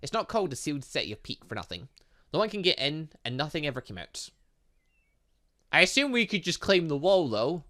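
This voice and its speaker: Guy doing lets play commentary, kinda high bright voice, sarcastic asides while reading lines out. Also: big pitch swings, fairly quick. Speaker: gaming channel host. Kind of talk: let's play commentary, reading game dialogue aloud.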